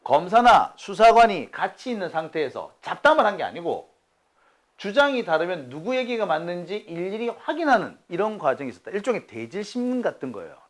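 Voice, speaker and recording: Male host, higher-pitched, very lively delivery; acts out quotes in chatty commentary. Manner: animated storytelling, acting out quoted exchanges; colloquial, exasperated asides. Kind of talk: casual commentary on a court case.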